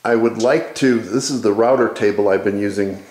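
A man hosting an informal walk-through of his shop, casual and a little halting as he thinks aloud. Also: on the low side, darkish tone. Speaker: woodworking video host. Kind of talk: informal narrated shop tour. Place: indoor wood workshop. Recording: echoey workshop room.

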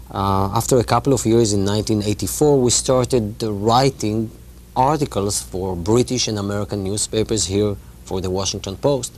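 A man in his forties raised in Israel, an author and journalist, answering interview questions haltingly and often repeating words, recorded in a television studio on a lapel mic. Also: lowish voice, a little mellow, slight background noise.

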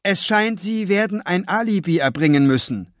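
A man's voice: high-pitched, lively intonation, moderate pace, no echo, studio quality, voice pushed up. A man voicing a stern, irritable bank manager.

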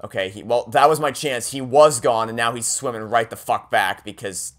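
A man's voice: mid-range voice, moderate pace. A man giving casual gaming commentary in an exasperated, sweary way, repeating words anxiously. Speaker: video game streamer.

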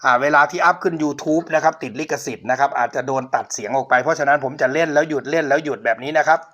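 A man's voice: on the high side, fast, muffled recording. A middle-aged man hosting his own channel, politely showing viewers an old cassette player and talking to them often. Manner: polite, repeatedly addresses viewers. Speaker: channel host reviewing a cassette player for sale. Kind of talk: casual product demo.

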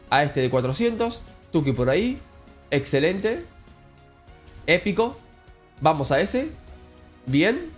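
A young man with a Rioplatense Spanish accent giving excitable Let's Play commentary, addressing viewers as friends. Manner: excitable, calls viewers "cracks" and "amigos", jumps high when thrilled. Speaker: gaming YouTuber.

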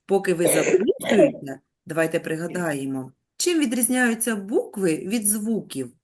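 A woman's voice: mid-range voice, big pitch swings, normal speed, a little mellow. A woman teaching young children on a video call, patient and coaxing, praising them with pet names. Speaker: primary school teacher. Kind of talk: online lesson for young children.

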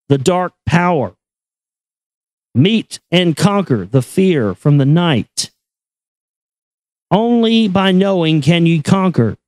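A man giving a solemn, measured reading of an esoteric text in an incantatory, deliberate manner. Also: fairly high pitch, darkish tone, dry recording. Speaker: reader and commentator. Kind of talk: solemn recitation of an esoteric text with brief asides.

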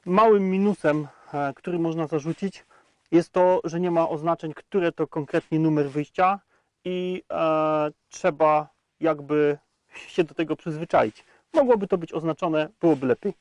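Out in a field, a Polish man in his thirties gives a product review walkaround of a tractor he's testing, speaking in an unhurried, slightly high voice. Hesitation sounds often punctuate his facts, and the recording is dry.

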